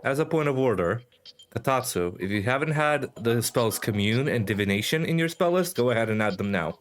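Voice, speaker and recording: A man's voice: mid-range voice, lively intonation, fairly quick. A man running a tabletop role-playing game as game master, speaking casually with frequent stammered restarts.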